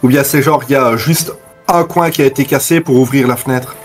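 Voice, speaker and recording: Inquisitive man, mid-pitched, music behind. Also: a little fast. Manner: inquisitive, colloquial. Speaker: tabletop game player. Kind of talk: casual improvised roleplay chat. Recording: music playing under the voice.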